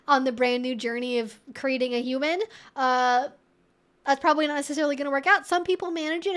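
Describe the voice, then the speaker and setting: A woman with a high voice hosts a live question-and-answer stream. She talks in a casual, explanatory way, sprinkling in "like" and "you know" as she works through her points. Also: a bit bright. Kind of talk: casual educational livestream talk.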